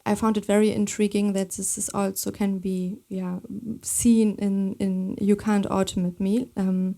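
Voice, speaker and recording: A woman moderating a live panel conversation, phrasing her questions in a halting, hesitant way. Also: mid-range voice, little pitch movement, vocal fry, mellow.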